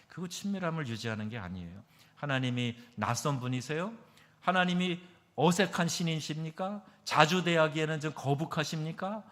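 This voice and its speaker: A man, a pastor, preaching a sermon emphatically, asking his congregation questions and moving between loud stresses and soft asides. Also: fairly high pitch. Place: church sanctuary. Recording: long hall reverb.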